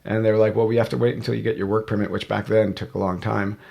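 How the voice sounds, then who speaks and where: A man's voice: fairly low pitch, flat delivery, fast, creaky, a little mellow. A man in his forties, a podcast guest telling his story in a rambling, casual way with many fillers and restarts. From United States. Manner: rambling, self-correcting storyteller with frequent fillers. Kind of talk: casual conversational interview.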